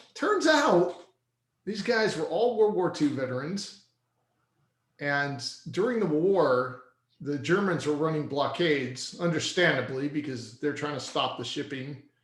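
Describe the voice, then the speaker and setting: A fairly high-pitched man with an American accent, lively intonation and a fairly slow pace, with audible room echo. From Texas. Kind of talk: interview storytelling.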